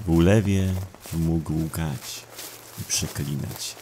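Mężczyzna, narrator słuchowiska grozy, opowiada ponuro i miarowo. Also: male voice, very deep voice, warm tone, slight background noise. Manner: somber, measured storytelling. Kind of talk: scripted horror audio drama narration. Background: music.

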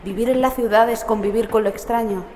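A woman's voice: fairly high pitch, steady tone, fairly quick, darkish tone, lightly acted. A woman playing the uneasy narrator of a horror tale, reading in a dramatic first-person audiobook style. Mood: uneasy, measured. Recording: echoey, clear train ambience noise behind. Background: metro train ambience.

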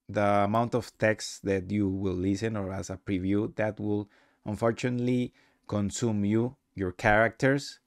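Low-voiced man, halting tutorial narrator. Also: dry recording, studio quality. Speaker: host demonstrating his software. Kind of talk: casual software tutorial narration.

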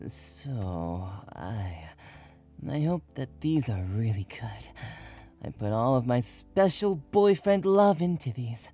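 A woman's voice: rumbling low, big pitch swings, warm tone, faint music behind, full character voice. A woman voicing a playful, affectionate young man who teases and jokes. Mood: proud. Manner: teasing, drawn-out playful delivery.

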